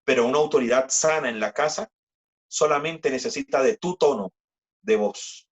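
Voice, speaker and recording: A man, preaching a sermon as pastor and reading scripture slowly with emphatic repetition. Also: breathy edge. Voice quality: deep voice. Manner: slow, emphatic scripture reading with repeated phrases.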